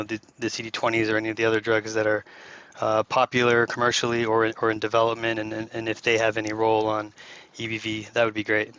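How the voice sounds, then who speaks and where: A man speaking as a financial analyst, asking questions on an earnings call with halting, repeated words, over dull lo-fi call audio. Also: on the low side, fairly bright tone, smooth.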